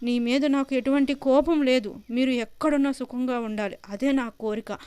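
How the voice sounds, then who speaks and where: A woman's voice: high voice, steady tone, moderate pace, mellow, smooth, dry recording, lightly acted. A woman voicing a frail, hungry old father-in-law who begs tearfully, in a storybook reading. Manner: begging, tearful.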